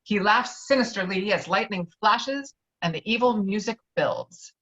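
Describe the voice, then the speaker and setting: A woman's voice: medium pitch, lively intonation, a little slow, a bit bright. A woman reading out screenplay stage directions at an informal table read, now and then stumbling and correcting herself. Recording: dull lo-fi online call audio.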